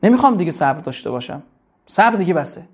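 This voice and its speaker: High-voiced man lecturing on poetry. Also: very animated, husky. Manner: recites verses slowly, then asks and answers his own questions; colloquial, explanatory teaching tone. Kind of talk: lecture explaining classical verse.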